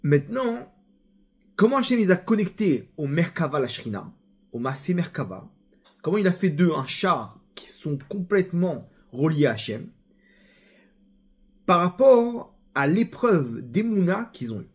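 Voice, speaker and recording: A young man teaching a sermon-style Torah class, animated and storytelling, speaking straight to his listeners. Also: on the high side, measured pace, husky. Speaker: rabbi teacher.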